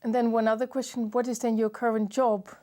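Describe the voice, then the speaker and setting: A woman hosting an interview, reading a formal introduction and asking measured questions. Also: fairly high pitch, level tone, mellow. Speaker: host.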